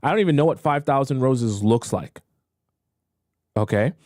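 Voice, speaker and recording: A man coaching on dating during a livestream, reading viewer questions and reacting with animated disbelief. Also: medium pitch, moderate pace, no room sound, studio quality. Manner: animated, incredulous, talks to chat. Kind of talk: livestream advice talk.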